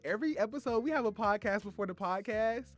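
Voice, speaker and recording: A man's voice: high-pitched, fast talker, soft background music. A young man from Florida co-hosting a casual college radio chat, stuffed up from a cold, easygoing and chatty. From Tallahassee, Florida. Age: young adult. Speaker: co-host.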